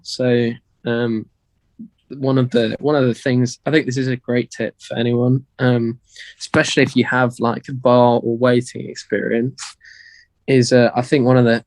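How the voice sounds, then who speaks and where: A young British man on a podcast, talking casually as a guest, hoarse and rambling with many fillers. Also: mid-range voice, a little mellow, dry recording. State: losing his voice. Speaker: guest magician.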